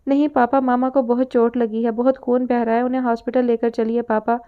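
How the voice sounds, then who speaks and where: Woman reading a scared, pleading daughter, bright-ish voice on a phone-like line. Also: a little high, level tone, clear, resonant tone, lightly acted. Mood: urgent. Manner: urgent and pleading. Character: young daughter, frightened and caring. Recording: narrow phone-like sound.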